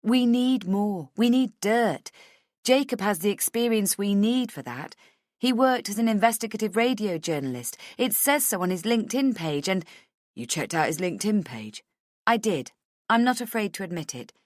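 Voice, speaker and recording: A woman's voice: mid-range voice, expressive, moderate pace, darkish tone, no echo, clean studio sound, pitched above the performer's own voice, lightly acted. Woman acting an insistent, defensive female podcaster. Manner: pleading, argumentative. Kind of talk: audiobook character dialogue.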